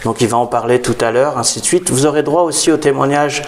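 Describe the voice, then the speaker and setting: A man of Algerian origin hosting a Christian interview show, speaking calmly with many small agreeing words. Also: medium pitch, a little hiss or hum. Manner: unhurried, frequent "d'accord" and "hein". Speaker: host.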